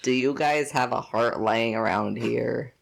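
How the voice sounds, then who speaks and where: A woman's voice: rumbling low, a little slow, gravelly, a little hiss or hum. A woman playing a tabletop game in casual chat.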